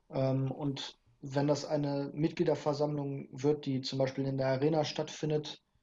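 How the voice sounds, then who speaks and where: A man speaks at a fairly slow pace. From Germany, Düsseldorf. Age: 20s. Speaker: football fan. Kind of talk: interview.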